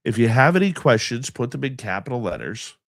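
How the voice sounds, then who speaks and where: A man with a stuffy, congested nose hosts a live radio stream early in the morning, sounding sleepy and loose. His pitch swings widely as he rambles and greets viewers by name. The sound is dry and close, with no room echo. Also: big pitch swings, brisk, creaky. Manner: rambling, chatty, affectionate with viewers. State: sleepy, just woken up. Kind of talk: casual live show chat, reading out chat names.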